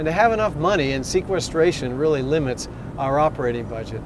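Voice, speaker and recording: A man at a fairly quick pace, dry sound with no echo, and noticeable background noise. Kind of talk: interview answer. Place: boat.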